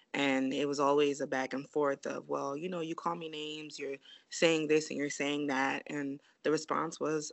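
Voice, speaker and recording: A woman in a New York accent talks at a moderate pace with a very deep, low pitch. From New York, Brooklyn (Flatbush). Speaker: podcast co-host telling her life story. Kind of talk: casual interview.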